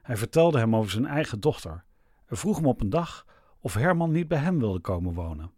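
A man narrating a podcast in a measured, scripted storytelling delivery. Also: mid-range voice, very animated, a little mellow, breathy edge, no room sound.

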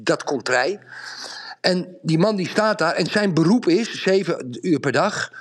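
A man telling a long, rambling story to his co-host, growing more emphatic as he goes. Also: a little high. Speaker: podcast co-host. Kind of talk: casual monologue on a podcast.

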